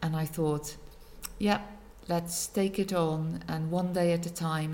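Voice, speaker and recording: A woman speaks at a fairly slow pace with a Dutch accent, her fairly low voice staying flat and monotone. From Netherlands. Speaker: company boss. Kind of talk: radio interview, business chat.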